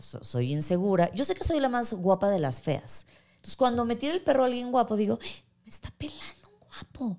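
In a Mexican accent and a dark, mellow tone, the voice moves at a moderate pace with very wide pitch swings over a quiet background. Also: woman. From Mexico. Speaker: comedian. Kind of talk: casual chat. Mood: playful, joking. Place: studio. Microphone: handheld.

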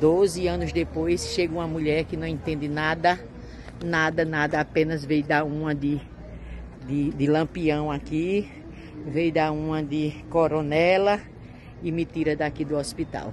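Over noticeable background noise in a dry sound with no echo, a woman speaks with a very deep, low pitch, monotone, flat intonation and long, frequent pauses. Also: fairly slow pace. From Itaporanga, Paraíba, Brazil; Paraíba, Brazil. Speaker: social worker. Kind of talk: protest video testimony. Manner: emphatic. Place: street. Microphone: phone near.

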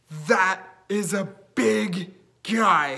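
A high-pitched put-on character voice from a man. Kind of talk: children's book read-aloud with character voices. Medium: read story. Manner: earnest. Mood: awed.

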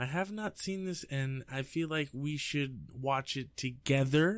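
A man speaks. The background is quiet. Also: dry sound with no echo. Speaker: podcast host. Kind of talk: casual podcast commentary. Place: home room. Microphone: studio mic.

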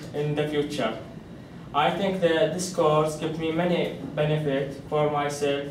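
Speaking in an Arabic accent, a man with a fairly high pitch keeps a flat monotone, with audible room echo and light background noise. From Saudi Arabia, Eastern Province (Qatif); Eastern Province, Saudi Arabia. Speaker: student. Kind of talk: class presentation. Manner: halting. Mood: slightly nervous, hesitant. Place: classroom. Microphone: camera far.

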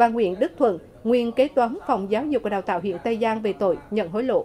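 A woman speaks at a moderate pace with high pitch and lively intonation. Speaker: news presenter. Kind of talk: news reading. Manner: formal.

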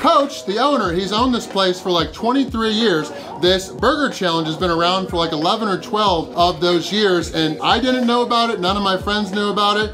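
Over faint music in the background, a man speaks in a raised, projected voice at a moderate pace with hardly any pauses. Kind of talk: casual vlog chat. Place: bar.

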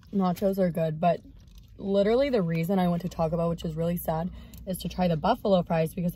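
A woman with a fairly low pitch and a dark, mellow, somewhat breathy tone speaks at a fairly quick pace with ordinary pitch variation and a dry sound with no echo. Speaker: vlogger. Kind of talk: casual mukbang chat. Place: car. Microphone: phone near.

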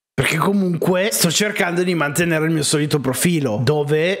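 Over a quiet background, a man with a high voice speaks at a moderate pace, his pitch varying in an ordinary way and his loudness very even. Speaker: streamer. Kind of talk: casual reaction commentary. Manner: tipsy, trying to stay composed. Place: home room. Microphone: studio mic.

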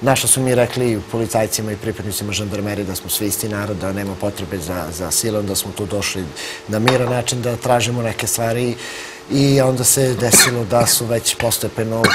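Amid noticeable background noise, a man speaks very fast with fairly even intonation. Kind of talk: interview answer. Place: studio. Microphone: lapel.

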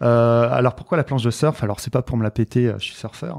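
Over a silent background in a very clean recording, a dark, mellow tone carries fairly even intonation. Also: man. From western France, Nantes. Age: 40s. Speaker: mental performance coach. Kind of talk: interview. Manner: hesitant, many fillers.

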